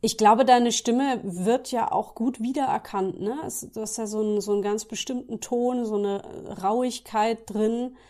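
Mellow-voiced woman interviewer, thoughtful. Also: a little high, fairly even intonation, normal speed, few pauses. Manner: thoughtful, explaining with small hesitations. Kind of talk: conversational interview.

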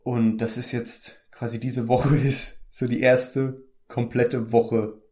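A young actor from Germany's Palatinate chats casually in an interview, easygoing, with plenty of hesitant fillers and restarts. His voice is medium in pitch and warm in tone, and his delivery is slow and flat.

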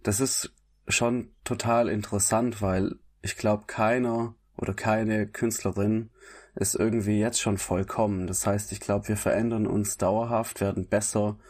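A man who sings, with a raspy, smoky voice, talking in a relaxed interview and often correcting himself with small laughs. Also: lowish voice, a little slow. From grew up bilingual German-Italian. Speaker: singer, interview guest.

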